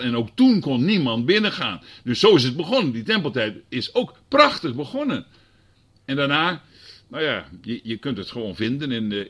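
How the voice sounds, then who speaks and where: Husky guy preaching, voice rising and falling a lot, asks the room questions. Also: on the low side. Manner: swings from quiet explaining to loud fervent preaching; asks the congregation rhetorical questions. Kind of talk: sermon.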